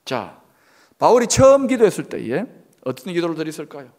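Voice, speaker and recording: A middle-aged male pastor delivers a sermon in a high, sweeping voice that leaps up when he acts out pleading prayers and falls to a near whisper. His words ring with the long reverb of a church hall. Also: big pitch swings, brisk, a little mellow.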